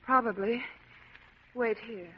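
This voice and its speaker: A woman's voice: fairly high pitch, slow, slight background noise. An actress playing a nervous, defensive young woman suspected of murder, in 1940s radio acting. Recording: dull lo-fi old radio broadcast.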